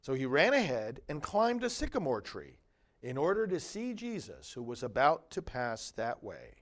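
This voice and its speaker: A man, a Catholic priest, reading scripture and preaching in a solemn, deliberate, emphatic way. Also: medium pitch, huge pitch swings. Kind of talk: liturgical scripture reading and homily.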